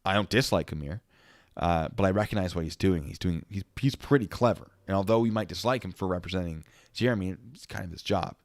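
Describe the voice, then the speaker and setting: Deep voiced guy doing casual livestream commentary, amused, really dry room sound. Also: fairly quick, dry recording. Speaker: livestream commentator reacting to court footage; former interrogator and investigator. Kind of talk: casual off-the-cuff commentary with asides to chat.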